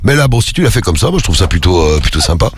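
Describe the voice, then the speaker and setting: A man's voice: sits low, very animated, very fast, slightly rough. A man hosting a live call-in radio show, chatting loosely and joking with his co-hosts and callers, with many fillers.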